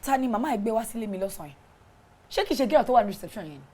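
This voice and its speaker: An actress with a Nigerian accent playing a furious betrayed young wife who shouts, curses and mixes Yoruba with English. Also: female voice, fairly high pitch, very animated, very fast, breathy edge. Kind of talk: film drama acting.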